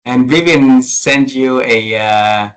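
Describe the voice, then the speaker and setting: A man's voice: mid-range voice, slow pace, poor audio. A man in his forties from Vietnam hosting an interview over a call, speaking English with many fillers and restarts. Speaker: interview host.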